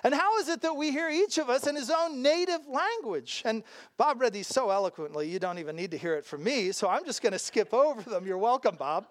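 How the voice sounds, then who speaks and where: Preacher, mid pitch, conversational and animated delivery with rhetorical questions and wry asides, dry recording. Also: brisk, dry recording. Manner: animated, rhetorical questions, frequent "right?" check-ins. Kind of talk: sermon with casual asides and scripture reading.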